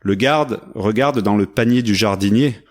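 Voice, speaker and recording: A man's voice: fairly low pitch, moderate pace. A man hosting a children's story hour on the radio, playful and chatty, talking directly to his listeners.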